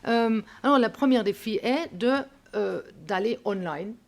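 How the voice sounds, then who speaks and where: A woman economist on a panel, speaking carefully and deliberately in a language that is not her first, often pausing to search for words. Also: a little high, gravelly. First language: not French. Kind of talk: panel talk.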